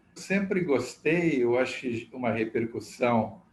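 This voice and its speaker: Somewhat breathy, a man talks at a medium pitch and fairly slow pace with ordinary pitch variation. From Brazil, São Paulo then Rio de Janeiro. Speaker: physician and medical researcher. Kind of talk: interview. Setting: video call. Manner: hesitant, with fillers.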